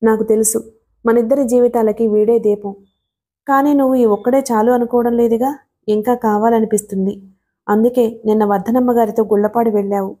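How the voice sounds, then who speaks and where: A woman reading the lines of a devoted young husband, gentle and quietly pleading. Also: on the high side, steady tone, brisk, lightly acted. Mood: tender.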